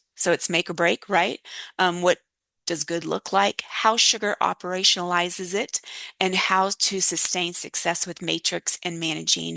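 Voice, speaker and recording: Her tone is bright and sharp, and this woman speaks in a monotone, flat intonation with vocal fry. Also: fairly low pitch for a woman, dry, close sound with no echo. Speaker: webinar presenter. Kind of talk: webinar presentation. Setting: online webinar. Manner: fast; casual with many fillers.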